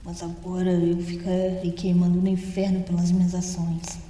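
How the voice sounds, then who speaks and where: A woman playing a corrupted, dying wolf creature in an analog horror story, bitter and unrepentant, speaking gravely. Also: fairly low pitch, completely flat delivery, normal speed, close to an everyday voice. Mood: bitter, mournful. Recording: echoey hall-like reverb, muffled dark tone.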